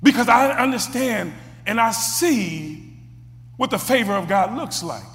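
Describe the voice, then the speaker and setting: A man preaching a sermon, who stumbles over and repeats words and builds up to shouted exclamations. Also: high voice, expressive, unhurried, big-room sound.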